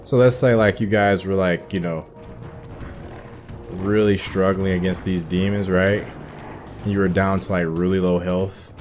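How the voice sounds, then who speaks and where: Man, low-pitched voice, casual gaming streamer, playthrough commentary, prominent music behind. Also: steady tone, measured pace, long pauses, a little mellow. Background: game music.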